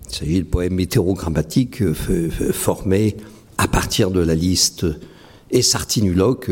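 A man introducing a constrained poem with halting, filler-heavy explanations, then reading it aloud at a public literary event. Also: sits low, a little mellow. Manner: hesitant, with many fillers and repeated words when explaining. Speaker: Oulipo member giving a public reading.

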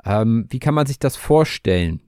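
A man hosting a podcast for language learners, introducing the episode and interviewing a guest in a clear, measured way. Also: mid-range voice, expressive, mellow, no echo, studio quality. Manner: clear, measured, teacherly delivery. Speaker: podcast host.

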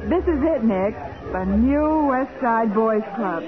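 An actress playing a detective's plucky young assistant in a 1940s radio crime drama, playful and coy. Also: female voice, a little high, animated, slow, a crowd in the background. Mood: pleased. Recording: thin, tinny old radio recording with heavy background bustle.

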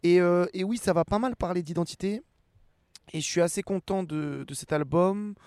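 Guest, twenties, French man; loose rambling talk, fillers, slightly high voice. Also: moderate pace, no room sound, studio quality. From France. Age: 20s. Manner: relaxed, rambling, many fillers and restarts. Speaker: actor and rapper guest. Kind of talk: casual interview answers.

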